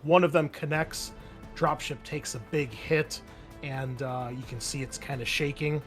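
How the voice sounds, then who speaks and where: A man's voice: on the high side, fairly even intonation, measured pace, a bit bright, faint music behind. A man narrating a tabletop roleplaying game as game master, describing scenes in a casual, improvised way.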